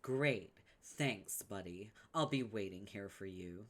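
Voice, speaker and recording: A man's voice: lowish voice, expressive, takes it slowly, a bit bright, exaggerated voice. Vriska, a man doing a smug, scheming troll girl. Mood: sarcastic. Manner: brash, sarcastic, mocking.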